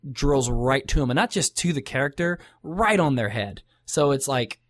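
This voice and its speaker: A man's voice: medium pitch, expressive, moderate pace, dry recording, clean studio sound. A man co-hosting a casual chat about games, rambling with many fillers and restarts.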